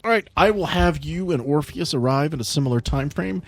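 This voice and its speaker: A man's voice: on the high side, fairly quick, dry recording. A man hosting and narrating a tabletop game in a playful, conversational way as he sets scenes. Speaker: host and game master.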